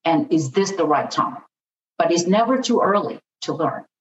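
A woman speaking as a podcast guest, halting, with many fillers and restarts. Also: fairly low pitch, animated, a little hiss or hum. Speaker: podcast guest, biotech partnering advisor. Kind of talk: conversational panel discussion. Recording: distant, echoey, dull remote audio.

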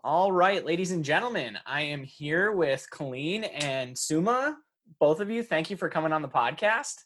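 A man's voice: on the high side, normal speed, a little hiss or hum. Rambling casual podcast host man. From Upper Peninsula of Michigan. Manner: relaxed, rambling with restarts and fillers.

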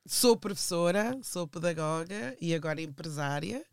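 A woman's voice: on the low side, lively intonation, moderate pace, crowd noise. A woman in her forties with a European Portuguese accent, chatting as a podcast guest over a remote call, laughing often and slipping into English phrases. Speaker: guest, teacher. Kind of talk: casual interview chat. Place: home in London. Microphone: remote call microphone.

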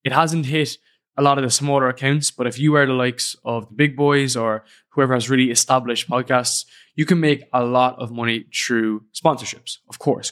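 Earnest young Irish podcaster. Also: male voice, mid-range voice, a bit bright. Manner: casual, earnest, reflective. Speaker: podcast host. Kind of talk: solo podcast monologue. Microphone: studio podcast microphone.

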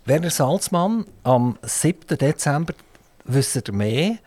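A man's voice: a little high, animated, slow, a little mellow. A man with a Swiss German accent hosting a radio interview, asking long, chatty, rambling questions. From Switzerland. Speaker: radio host. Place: radio studio.

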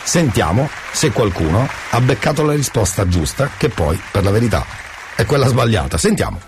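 Showy, animated male radio game show host. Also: mid-range voice, moderate pace. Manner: showy, playful, jokey, repeats himself. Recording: music bed behind voice. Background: music.

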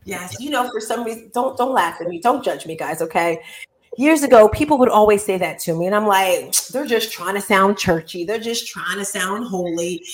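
A woman hosting a motivational online talk show in a chatty, animated, exclamatory and playful way. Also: medium pitch, moderate pace. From Caribbean.

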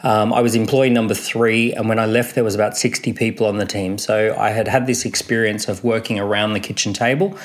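A man's voice: on the low side, fairly even intonation, brisk, few pauses. A man, answering conversationally as an entrepreneur guest in an interview. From Australia.

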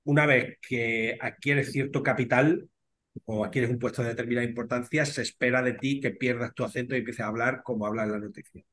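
A man's voice: medium pitch, fairly even intonation, fairly quick, fairly bright tone. A Spanish-accented man, a veterinarian, chats loosely as an interview guest. He rambles in an easy, familiar way, ending his phrases with "¿sabes?" and "tío". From Spain. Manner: chatty, peppers speech with "¿sabes?" and "tío". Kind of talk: casual interview chat.

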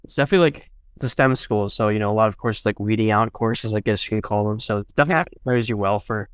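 A young man hosting a casual podcast interview, relaxed and full of "like" and "I guess". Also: on the low side, fast talker, smooth. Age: young adult. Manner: relaxed, lots of "like" and "I guess" fillers. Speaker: podcast host.

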